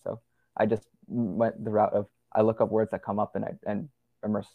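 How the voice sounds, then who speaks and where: A man's voice: on the low side, level tone, moderate pace, dry recording, narrow, tinny audio. A young man as a podcast guest, chatting casually and rambling with lots of fillers and restarts. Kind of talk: casual conversational interview.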